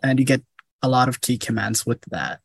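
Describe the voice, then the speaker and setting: Soft-spoken guy from somalia, gravelly husky voice, dry close sound. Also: mid-range voice, brisk, dry recording. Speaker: guest music producer. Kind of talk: casual interview chat.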